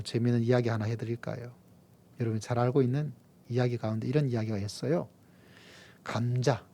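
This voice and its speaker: A man from the region, preaching a sermon and telling a playful story with emphatic, drawn-out key words. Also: medium pitch, warm tone. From Gyeongsang region, Korea. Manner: playful storytelling with jokes and acted-out voices. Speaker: pastor.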